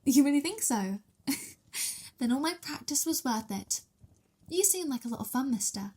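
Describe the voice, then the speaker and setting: A woman's voice: sits high, expressive, unhurried, mellow. A woman playing a sweet, hungry young vampire mistress in an ASMR roleplay, talking in a casual, playful, giggly way. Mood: playful, friendly.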